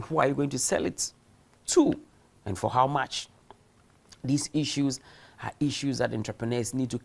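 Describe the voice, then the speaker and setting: A man with a gravelly, medium-pitched voice presents a recorded distance-learning university lecture, stressing points emphatically, using rhetorical questions, and acting out examples.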